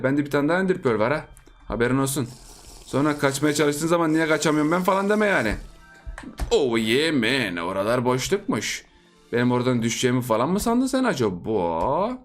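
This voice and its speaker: A man's voice: fairly high pitch, very animated, a little fast, faint music behind. A young man giving playful gameplay commentary for his channel, joking, teasing opponents and laughing often. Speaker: gaming YouTuber.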